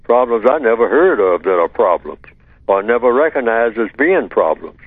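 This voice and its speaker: An older man on a call-in radio show, explaining his ideas in a measured way and repeating key words for emphasis. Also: medium pitch, lively intonation, no room sound. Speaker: radio show guest answering callers. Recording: tinny phone line, dry.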